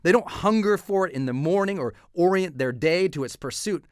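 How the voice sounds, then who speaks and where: A man's voice: sits high, expressive, a little fast, a little hiss or hum. A man reading a motivational manifesto in a declamatory way. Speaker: reader.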